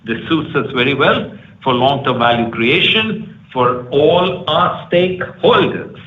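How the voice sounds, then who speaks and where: A man's voice: fairly high pitch, expressive, unhurried, fairly bright tone. A man, a senior executive, delivering formal prepared remarks on a company conference call. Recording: echoey, dull, faintly noisy conference line.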